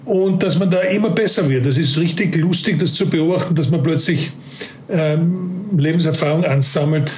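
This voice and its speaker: A man's voice: a little high, moderate pace, a little mellow, a little hiss or hum. A man in his fifties with a Carinthian Austrian accent, speaking as an interview guest in a reflective way, often repeating words as he searches for them. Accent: Carinthian Austrian German. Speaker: interview guest, former police officer. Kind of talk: casual interview talk.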